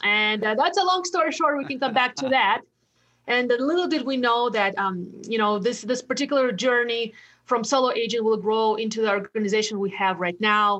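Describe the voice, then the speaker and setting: A woman with a Latvian accent, energetic and enthusiastic, her tone bright and sharp and her intonation lively. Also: moderate pace. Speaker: real estate agent. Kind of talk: casual interview chat. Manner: energetic, enthusiastic.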